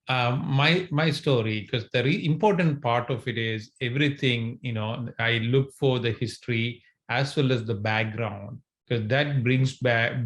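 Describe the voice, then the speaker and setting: A man in his forties from northern Sri Lanka, telling his life story to camera with many fillers and restarts, holding a mic at home. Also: mid-range voice. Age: 40s. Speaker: entrepreneur sharing his story. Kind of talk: casual talk to camera. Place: home room, indoors. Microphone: handheld mic, webcam framing.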